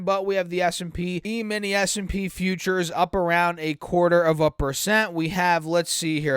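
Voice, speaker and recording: A man's voice: on the high side, fairly bright tone, smooth, dry recording, clean studio sound. A man with a stuffy nose from allergies, chatting casually to viewers about the stock market, upbeat and full of fillers. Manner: upbeat, addresses viewers as guys, many fillers. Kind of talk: casual market analysis to camera.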